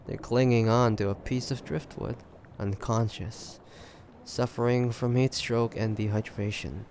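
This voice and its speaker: A man performs a shrewd, ambitious pirate captain in an intimate audio drama. His voice is low and gravelly, and he speaks slowly and deliberately, smug and conspiratorial as he taunts the listener. A faint ambient noise sits behind him. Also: a little mellow. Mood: amused, sizing up. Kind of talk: roleplay audio drama monologue addressed to listener.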